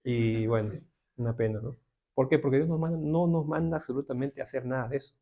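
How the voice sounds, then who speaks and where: A man's voice: medium pitch, quick pace, gravelly, mellow. A man with a Peruvian accent teaching an informal Bible class, talking conversationally with many tag questions to his listeners. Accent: Peruvian Spanish. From Peru.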